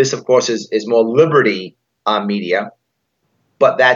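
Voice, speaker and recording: A man with a New York accent talks with ordinary pitch variation. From New York City (Bronx, Long Island). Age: 50s. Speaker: political candidate. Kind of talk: interview. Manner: animated.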